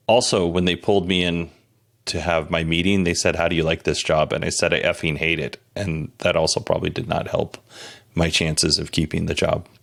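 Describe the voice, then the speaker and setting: A deep-voiced man with vocal fry hosts a podcast. He offers casual, conversational news commentary, candid and self-deprecating.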